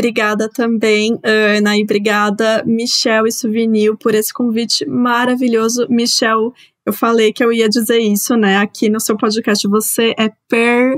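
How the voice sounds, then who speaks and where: A woman with a São Paulo countryside accent speaks at a fairly slow pace with hardly any pauses. Her fairly high pitch sits in a monotone, flat intonation at very even loudness. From interior of São Paulo state, Brazil. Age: 30s. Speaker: trend analyst. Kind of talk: podcast conversation.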